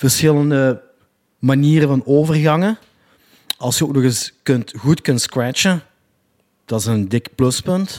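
Talking at a fairly slow pace with long, frequent pauses, a man uses a fairly high pitch and ordinary pitch variation. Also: dry, close sound with no echo, very clean recording, silent background. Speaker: DJ. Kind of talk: casual interview chat.

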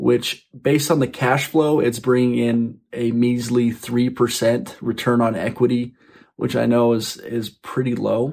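A man talks at a moderate pace in a normal speaking voice. His pitch is medium. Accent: American. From US West. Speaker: real estate developer. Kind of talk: recorded listener question.

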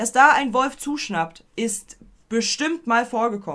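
A woman at a fairly high pitch, speaking at a fairly slow pace. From German small town. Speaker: podcast co-host, streamer. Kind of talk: casual chat. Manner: animated.

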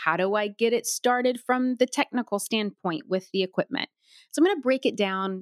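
Over a very clean recording with a silent background and a dry, close sound with no echo, a woman speaks at a moderate pace. Her tone is animated and her intonation lively. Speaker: podcast host and business coach. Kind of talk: solo podcast talk. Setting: home studio microphone recording.

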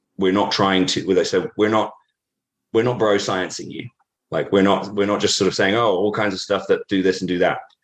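A man with an English accent speaks at a fairly quick pace. His voice is fairly low, in a monotone, flat intonation. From England, Norfolk (East Anglia). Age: 30s. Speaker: pro wrestler. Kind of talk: interview.

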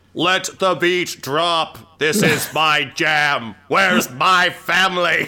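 Someone performs a put-on character voice at a very slow pace. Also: man, high pitch for a man. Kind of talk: modern slang.

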